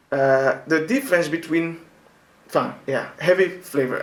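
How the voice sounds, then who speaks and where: Noticeable background noise runs behind this man. He speaks at a moderate pace with a French accent. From France. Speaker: vape vlogger. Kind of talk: product review vlog. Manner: halting, many fillers.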